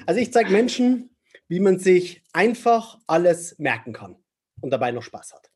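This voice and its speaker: A man being interviewed on a podcast as a memory trainer, animated and enthusiastic, laughing often. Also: high voice, moderate pace, slightly rough.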